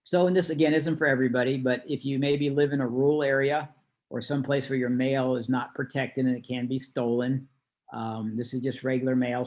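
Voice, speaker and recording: A man's voice: medium pitch, darkish tone. A man working as a class instructor, explaining things conversationally in an informal online lesson. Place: online video call.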